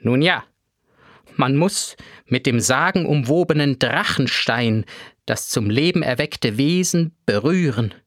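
A man voicing a small, bald, jittery male museum guide who stammers and bursts into high, panicky cries. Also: expressive, unhurried, fairly bright tone, no room sound, studio quality. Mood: worried.

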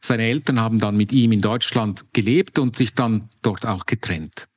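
A man, a reporter, giving measured scripted narration of a feature report. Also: lowish voice, slightly rough.

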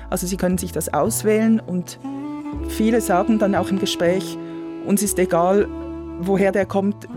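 A man, answering interview questions in a hesitant, reflective way and often trailing off softly. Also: high voice, level tone, normal speed, over music. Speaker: guest, volunteer program coordinator. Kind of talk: interview conversation.

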